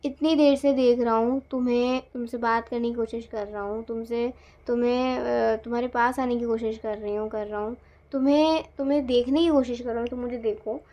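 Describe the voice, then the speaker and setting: A woman's voice: a little high, fairly even intonation, brisk, dark tone, lightly acted. A woman voicing an exasperated pleading husband. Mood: frustrated pleading. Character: frustrated pleading husband, young man.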